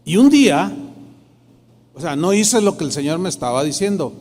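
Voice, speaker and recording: A man's voice: high voice, very animated, moderate pace, darkish tone. A middle-aged man, a pastor telling a personal testimony in a sermon, acting out the dialogue in shifting tones. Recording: long hall reverb.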